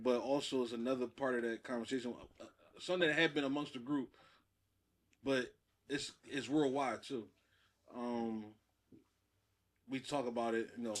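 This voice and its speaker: A man speaking African American English, hosting a casual podcast discussion and putting questions to the group. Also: mid-range voice. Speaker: podcast host posing questions.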